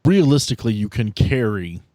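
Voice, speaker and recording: A man's voice: mid-range voice, sing-song, normal speed, dark tone, no room sound. A man narrating a casual tabletop game as game master, with dry, teasing banter.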